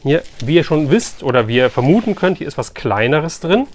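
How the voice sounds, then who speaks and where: A man's voice: fairly high pitch, sing-song, fairly quick, background noise. A man talks casually to his viewers as he presents an unboxing. He sounds keen and colloquial, and he likes to repeat a phrase to drive it home. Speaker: collector presenting an unboxing video. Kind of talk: casual unboxing chat to camera.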